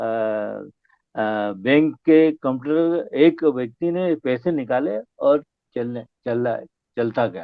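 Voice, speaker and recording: Pausing long and often, a man speaks at a medium pitch with lively intonation. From India, Indore (Madhya Pradesh). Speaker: voice-over artist. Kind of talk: interview. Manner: halting.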